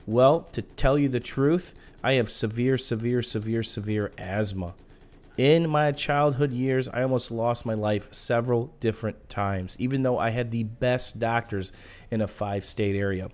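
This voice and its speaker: A short-winded man with a smoker's rasp and audible breathing, casually telling personal stories over video game commentary. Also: medium pitch, normal speed, darkish tone. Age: adult. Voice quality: raspy smoker's-cough sound. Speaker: gaming video host.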